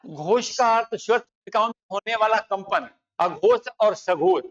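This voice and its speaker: A man's voice: sits high, normal speed, far from the mic, lo-fi sound. A man teaching a grammar lesson for exam preparation, explaining at length and pointing out examples on the board.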